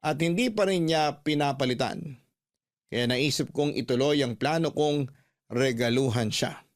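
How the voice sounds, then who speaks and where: A man narrating in the first person as a father newly out of prison, in steady, reflective scripted radio drama storytelling. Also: medium pitch, lightly acted. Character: ex-prisoner father narrating his own letter. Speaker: narrator of a letter.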